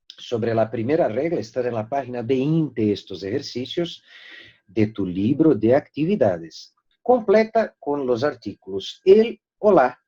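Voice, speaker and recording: A man teaching a recorded Spanish grammar lesson, emphatic and slowing down to spell out example words. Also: a little high, dark tone. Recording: dull lo-fi recording.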